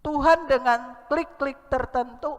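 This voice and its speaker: An impassioned woman preacher with an Indonesian accent, delivering a sermon. Her voice sits fairly high, and long reverb trails behind her words as in a big hall. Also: slow. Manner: impassioned, rising to emphatic peaks; acts out dialogue with a child.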